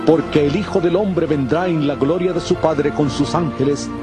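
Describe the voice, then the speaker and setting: Male actor, authoritative holy teacher, solemn declamation, slightly high male pitch, audio Bible drama, clear musical backing. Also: normal speed, music in the background, lightly acted.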